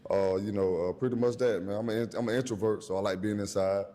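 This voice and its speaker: A man's voice: lowish voice, fairly even intonation, fast, mellow. A man in his thirties from rural Georgia with a Southern African American English accent, chatting casually in a laid-back country way. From rural Georgia, USA. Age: 30s. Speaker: dating show contestant. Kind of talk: casual unscripted chat. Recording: echoey, noisy event hall.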